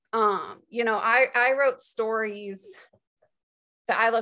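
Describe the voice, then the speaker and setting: Over a very clean recording with a silent background, a woman with an American accent speaks in a bright, sharp tone with ordinary pitch variation. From Colorado (Littleton, near Denver). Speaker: author and mechanical engineer. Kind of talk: interview.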